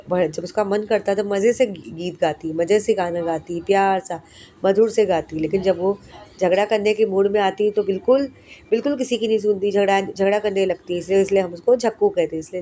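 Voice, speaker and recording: A woman's voice: medium pitch, mellow, a little hiss or hum. A woman teacher explaining a poem to young children, asking the class questions and answering them herself, with many repeats and restarts. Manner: recites the poem slowly in a sing-song way.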